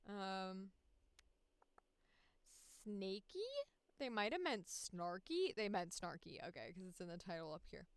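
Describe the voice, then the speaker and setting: A woman's voice: mid-range voice, big pitch swings, unhurried, pauses often, clear, resonant tone, no echo. A woman thinking aloud casually as she hosts a livestream, with a sweary, playfully sarcastic manner. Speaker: voice actor hosting a livestream.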